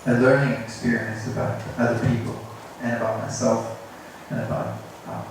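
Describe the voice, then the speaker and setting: A man's voice: medium pitch, little pitch movement, normal speed. A middle-aged man from South Africa tells a personal story to a group in a hesitant, self-deprecating way. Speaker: English teacher. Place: indoor room at a teachers' workshop. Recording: echoey room, distant mic, noisy.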